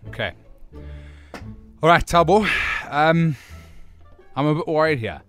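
A man's voice: fairly high pitch, lively intonation, unhurried, fairly bright tone, soft background music. A man hosting casual radio banter with a mouthguard in, lips stretched, sounding slightly muffled with a little whistle. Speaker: radio show host.

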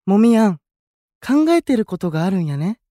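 Gentle young male idol, Kansai accent, high and animated delivery, considerate, candid audio drama role. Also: normal speed, no echo, studio quality. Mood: earnest, caring. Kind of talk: anime-style audio drama acting.

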